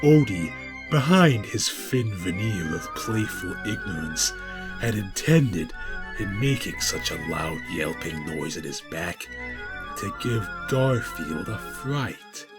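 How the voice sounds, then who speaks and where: A man with a lowish voice narrates a mock-epic story. His delivery is very slow, pompous and grandly dramatic, treating every phrase as momentous. Music plays clearly behind him. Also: very animated. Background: prominent music.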